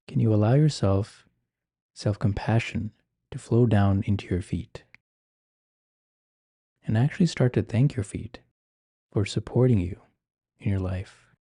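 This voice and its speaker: Male meditation guide: deeply relaxed, mellow low voice, gentle ASMR-like instruction, dry intimate recording. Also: no echo. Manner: gentle, measured, unhurried phrasing with soft instructions.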